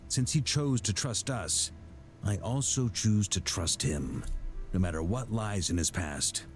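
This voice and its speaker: Deep, genial knight grandmaster. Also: male voice, lively intonation, unhurried. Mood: earnest, firm. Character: genial, steadfast grandmaster of a fantasy knight order. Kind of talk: scripted game character voice lines. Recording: background music under the voice.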